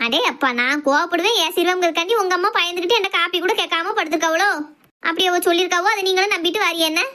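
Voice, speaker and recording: A woman playing a sharp-tongued middle-aged housewife and strict mother, talking sarcastically. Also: extremely high pitch, very fast. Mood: scolding. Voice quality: scolding, sarcastic. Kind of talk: comic family skit.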